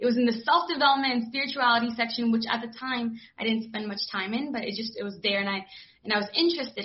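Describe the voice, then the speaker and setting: Speaking with an Israeli accent, a woman talks at a fairly quick pace and a fairly high pitch, with ordinary pitch variation. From Israel, then Los Angeles. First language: Hebrew. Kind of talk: casual interview conversation.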